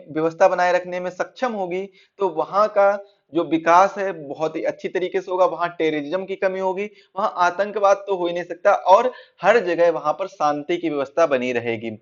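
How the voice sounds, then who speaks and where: A dull, lo-fi recording of a man teaching in a high-pitched voice. He explains like an online exam coach, restating each point in slightly different words. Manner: repeats and rephrases points. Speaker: exam-prep instructor. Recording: dull, lo-fi band-limited audio.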